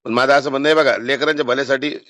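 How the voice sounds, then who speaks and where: A man's voice: medium pitch, fairly even intonation, racing, fairly bright tone, dry recording. A man with a Marathwada Marathi accent, a social worker on a phone call, giving insistent, colloquial advice and persuasion. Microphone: phone call recording.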